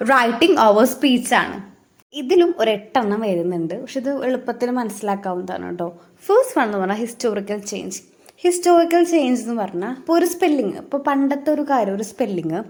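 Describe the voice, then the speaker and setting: A woman with a Malayali accent talks through exam material like a friendly tutor, circling back to restate points and tossing in rhetorical checks. Her voice sits a little high for a woman. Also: darkish tone. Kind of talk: casual explanatory lesson.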